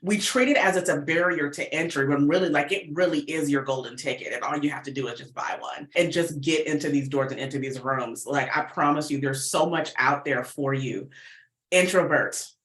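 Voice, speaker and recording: A woman with a bright, forward voice talks as an interview guest in casual, slangy language. Her delivery is animated and informal, and the recording has a noticeable room echo. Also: sits low, a little fast. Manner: animated, informal, peppers talk with slang and acted-out quotes. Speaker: podcast guest, writer and producer of audio fiction.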